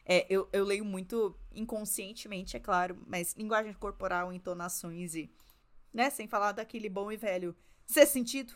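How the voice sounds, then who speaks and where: A woman's voice: mid-range voice, normal speed. A young woman, co-hosting a casual podcast chat, blunt and swearing freely as she tells stories. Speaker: podcast co-host.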